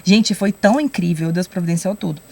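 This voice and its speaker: A young adult woman telling a personal faith testimony on a podcast, lively and acting out the lines she quotes. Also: on the low side, a little fast, vocal fry, slightly rough, no echo. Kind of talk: casual testimony storytelling.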